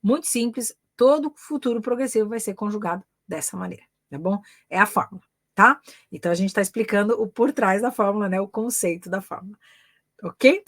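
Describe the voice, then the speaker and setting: A woman's voice: mid-range voice, expressive, a little fast. A woman with a Brazilian Portuguese accent giving a live online English grammar lesson, chatty, checking in with "ok?" and "né?" after almost every phrase. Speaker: English teacher and career mentor.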